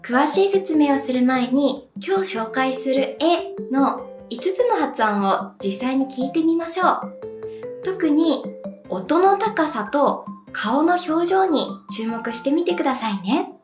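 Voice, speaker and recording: Slow, clear high-voiced woman teacher. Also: animated, over music. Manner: clear, deliberate, demonstrates sounds for the viewer to repeat. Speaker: Japanese language teacher. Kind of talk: slow, clear pronunciation lesson. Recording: echoey room.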